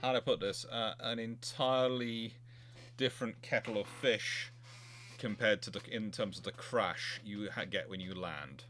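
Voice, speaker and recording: A man hosting an informal expert chat, answering questions in a halting way with frequent restarts. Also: lowish voice, a bit bright. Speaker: host of a naval history live chat.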